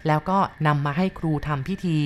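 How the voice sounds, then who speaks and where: ผู้หญิงเล่าเรื่องแล้วพากย์เป็นครูชายที่ติดการพนันหวย พูดจริงจังแบบกระซิบกระซาบวางแผน. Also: female voice, low-pitched, brisk, slight background noise, close to an everyday voice. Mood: conspiratorial. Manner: eager, conspiratorial. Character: older male teacher hooked on lottery gambling.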